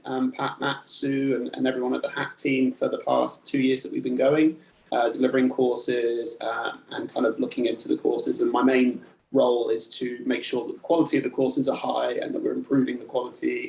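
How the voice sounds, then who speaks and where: A man introducing himself as a company director on a video call, halting and self-deprecating, with many ums. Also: medium pitch, gravelly, darkish tone, roomy sound, rough recording.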